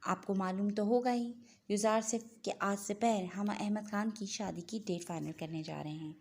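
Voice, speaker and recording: A woman's voice: medium pitch, fairly even intonation, normal speed, a little mellow, close to an everyday voice. A woman narrator voicing a stern middle-aged mother who addresses her son formally and firmly in an audiobook. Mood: persuasive. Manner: firm, formal and persuasive.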